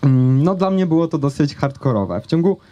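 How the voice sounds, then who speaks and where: A man's voice: a little high, animated, moderate pace, warm tone, dull audio. A young man telling a personal story on an outdoor festival stage into a handheld mic, chatty and full of hesitations. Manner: conversational with many fillers and hesitations. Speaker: speaker giving a talk. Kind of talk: personal story told to an audience. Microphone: handheld microphone.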